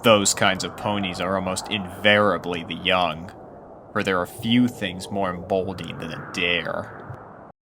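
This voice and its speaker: Low-pitched man narrating a spooky story. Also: fairly even intonation, measured pace, noisy background. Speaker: narrator, fan fiction reader.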